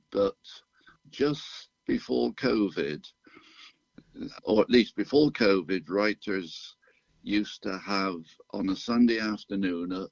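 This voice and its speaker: An older man with a British accent, a retired physician chatting as a radio guest in an unhurried, self-deprecating way with dry humor. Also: low-pitched, no echo, muffled recording. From United Kingdom. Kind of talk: relaxed radio interview chat.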